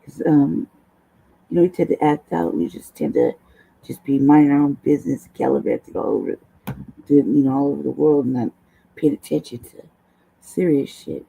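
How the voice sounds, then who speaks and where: A woman host with a low, hoarse voice, chatting casually at a desk mic, rambling, laughing often and swearing. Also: moderate pace, dark tone, muffled recording. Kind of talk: casual livestream talk.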